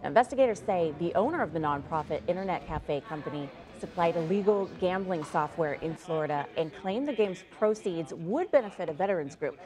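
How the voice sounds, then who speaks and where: A woman reads the morning headlines in a somewhat low voice, brisk and matter-of-fact. Between stories she turns bright and chatty with her co-anchor. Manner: brisk, upbeat delivery with chatty asides. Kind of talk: live morning news reading and chat.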